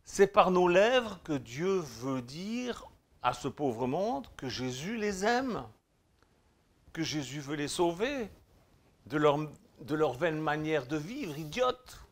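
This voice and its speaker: A man with a Swiss French accent preaching a sermon, exhorting listeners directly with informal address, swinging between loud declarations and quiet asides. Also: on the high side, big pitch swings, slow pace. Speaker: pastor.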